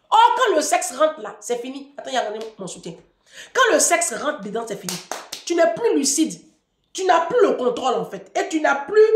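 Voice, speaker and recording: A woman's voice: high voice, reverberant. A woman in her thirties telling a personal story as relationship advice, emphatic and speaking straight to her listeners. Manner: lively, emphatic, addresses listeners directly.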